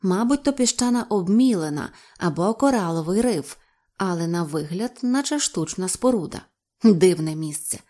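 A woman voicing a wary middle-aged sea captain with a gruff, measured way of talking. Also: fairly low pitch, expressive, warm tone.

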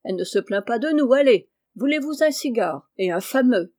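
A woman's voice: a little high, expressive, moderate pace, a little mellow, close to an everyday voice. A woman reading aloud, voicing a breezy, jovial prankster man.

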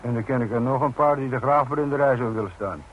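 A man plays a blunt foreman in a radio play. He is middle-pitched, authoritative and short on patience. Faint noise sits on the old recording. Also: quick pace, lo-fi sound, lightly acted. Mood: stern. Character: gruff, commanding male site boss, impatient with backtalk. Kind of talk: Dutch radio drama acting.

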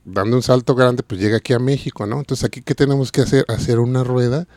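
A man's voice: medium pitch, steady tone, quick pace, a little mellow, no room sound, studio quality. A man with a Mexican accent, a dance academy teacher, earnestly explaining in a casual radio interview.

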